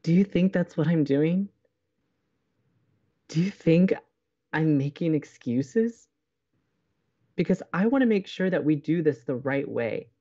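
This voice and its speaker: A man's voice: on the high side, expressive, measured pace, long pauses, warm tone, lo-fi sound. A man playing an earnest, hesitant young college radio co-host with a romantic streak in an audio drama. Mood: earnest, hurt. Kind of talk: naturalistic audio drama dialogue.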